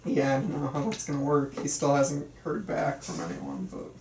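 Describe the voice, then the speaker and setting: A man's voice: mid-range voice, very animated, moderate pace. A young man chatting casually and agreeably with friends about a film. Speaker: student film cast member. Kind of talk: casual chat. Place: indoor room at a group table read. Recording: echoey room, distant mic, noisy ambience.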